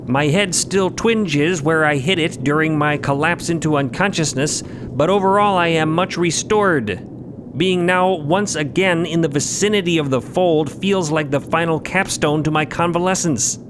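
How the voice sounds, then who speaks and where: A man plays a solemn, courteous horned elder of an otherworldly order in a fiction podcast. His voice sits a little high and his diction is ornate and measured, over clearly audible ambient noise. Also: natural voice. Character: formal, veiled horned supernatural male elder, solemn and courteous.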